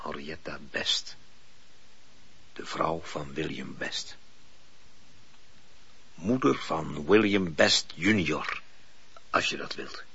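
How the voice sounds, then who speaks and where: An actor playing a stern, firm husband in a Dutch radio drama, with a husky voice. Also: male voice, rumbling low, takes it slowly, pauses often, pushed and bright, heavily acted. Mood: hushed, soothing. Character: stern, firm husband William, soothing yet unyielding. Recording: dull lo-fi radio play recording.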